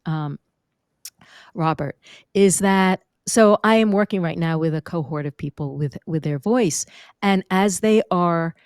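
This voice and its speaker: A woman from New York, a speaking and vocal coach, chatting as a guest on a podcast with an expressive, lively teaching manner. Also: fairly low pitch, unhurried, clean tone, no room sound, clean studio sound. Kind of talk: conversational podcast interview.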